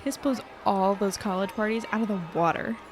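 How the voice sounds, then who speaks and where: A woman's voice: medium pitch, fairly even intonation, a little fast, over music, natural voice. An actress playing a friendly, talkative, wry young woman in a naturally acted audio drama. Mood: amazed.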